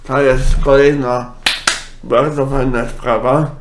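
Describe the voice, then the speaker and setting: A man, a congested nose and a speech impediment, giving a casual, halting software walkthrough. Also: medium pitch, flat delivery, background noise. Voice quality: congested, blocked-nose sound; speech impediment, imperfect articulation. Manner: halting, with self-corrections. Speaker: software tutorial presenter.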